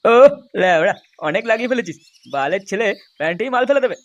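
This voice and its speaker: A man's voice: high voice, lively intonation, fast talker, a bit bright. A man voicing a lecherous, grumbling, foul-mouthed young fellow in a crude comedy cartoon. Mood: grumbling, lustful. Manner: crude, bragging. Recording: faintly noisy cartoon soundtrack.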